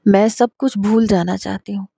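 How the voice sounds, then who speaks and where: A woman's voice: mid-range voice, steady tone, creaky, warm tone, breathy edge, no echo, studio quality. A woman playing a frightened doctor. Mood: frightened, pleading. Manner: stammering, fearful pleading.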